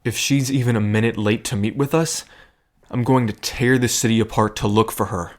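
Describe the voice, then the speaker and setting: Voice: mid-range voice, steady tone, normal speed, close to an everyday voice. A performer acting a protective, stubborn friend in an audio drama, speaking firmly with dry sarcasm and care. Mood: tense, worried. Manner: firm, sarcastic, caring.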